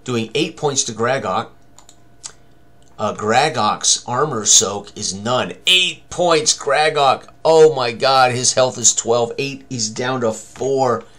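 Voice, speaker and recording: A man's voice: mid-range voice, slow, fairly bright tone. An older man in his sixties hosts a casual tabletop combat tutorial, narrating each step in short fragments as he goes. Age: older, around 60s. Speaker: tabletop game designer and tutorial host. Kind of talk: casual tutorial commentary while rolling dice. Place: small room indoors at a computer.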